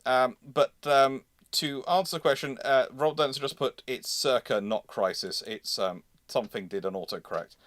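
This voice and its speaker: A man's voice: mid-range voice, a bit bright, no echo. Man hosting a history livestream, close and dry. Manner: halting, often repeats and rephrases words. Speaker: host of a naval history livestream. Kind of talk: live question-and-answer discussion.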